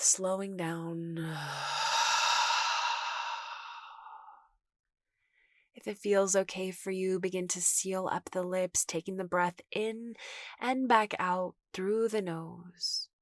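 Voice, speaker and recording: A woman meditation teacher giving guided meditation instruction in a gentle, reassuring, unhurried manner. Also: medium pitch, fairly even intonation, dry recording, studio quality.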